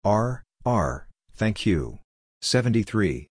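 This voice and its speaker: A man's voice: on the low side, very animated, slow, a little hiss or hum. A man reading short radio practice phrases one at a time, repeating words, for a code lesson. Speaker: Morse code practice reader. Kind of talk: slow scripted reading of phrases.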